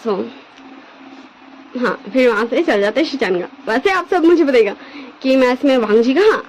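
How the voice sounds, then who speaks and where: A woman's voice: sits high, lively intonation, moderate pace, slight background noise, rough recording. A woman casually retelling her own fan story, chatty and mixing in English words.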